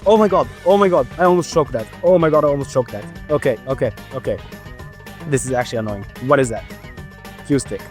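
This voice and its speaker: A young man who stutters often, narrating and reacting loudly to a game he is playing, casual and swearing. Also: mid-range voice, fast, soft background music. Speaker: gaming YouTuber. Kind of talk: game commentary with voice-over narration.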